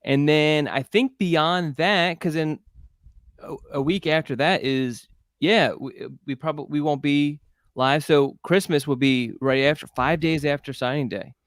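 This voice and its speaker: A man's voice: fairly high pitch, a little slow, no echo, studio quality. A middle-aged man co-hosting a casual sports chat, easygoing and a bit rambling. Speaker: recruiting reporter, co-host.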